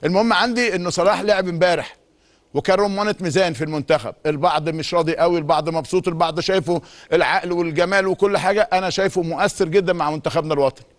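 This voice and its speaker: A middle-aged man with an Egyptian Arabic accent, a sports talk show host delivering an emphatic monologue full of repeated insistent phrases. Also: sits high. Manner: rapid, emphatic, repetitive insistence. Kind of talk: monologue commentary.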